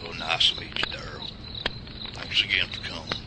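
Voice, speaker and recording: A man's voice: flat delivery, moderate pace, close to an everyday voice. A man playing a folksy old-timer, talking outdoors at night. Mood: plain talk. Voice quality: drawling, colloquial, deep. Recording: loud cricket night noise.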